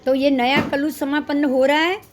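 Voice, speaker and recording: A middle-aged woman teaching a scripture lesson, explaining slowly and often quizzing her listeners. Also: high voice, steady tone, slight background noise. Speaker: religious teacher.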